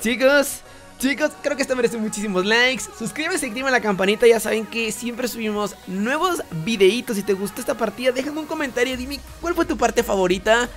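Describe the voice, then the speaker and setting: High-voiced excitable man with game music. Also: a little fast. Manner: excitable, shouts and repeats words in bursts. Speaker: gaming YouTuber. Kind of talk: excited gameplay commentary. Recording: music playing underneath.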